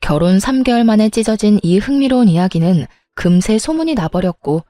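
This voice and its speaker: A woman telling a first-person story in a firm, cold, matter-of-fact way. Her voice is mid-range with a dark, mellow tone, recorded close and dry. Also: mid-range voice, lively intonation, a little fast, no echo. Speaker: narrator.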